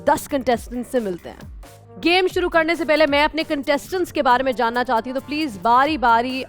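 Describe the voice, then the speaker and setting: A woman hosts a studio quiz show, setting out the rules and firing questions at contestants. Her voice sits high, and her delivery stays clear, measured and formal. Soft music hums faintly behind her. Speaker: game show host. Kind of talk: game show hosting, explaining rules and asking quiz questions. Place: television studio.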